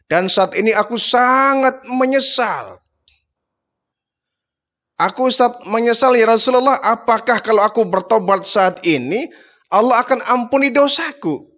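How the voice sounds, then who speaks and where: A man's voice: very high voice, lively intonation, measured pace, a bit bright, pitched above the performer's own voice, exaggerated voice. A man voicing a remorseful Arab chieftain who pleads urgently as he confesses his sins. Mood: remorseful pleading.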